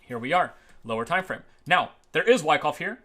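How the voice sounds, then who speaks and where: A man teaching trading as he walks through charts on his screen, tagging his points with "right?" and moving between quick and slow stretches. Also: fairly high pitch, animated, a bit bright. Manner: repeats "right?" as a tag, talks through live charts; uneven pace, speeds up and slows down. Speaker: trading educator. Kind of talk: screen-share chart walkthrough.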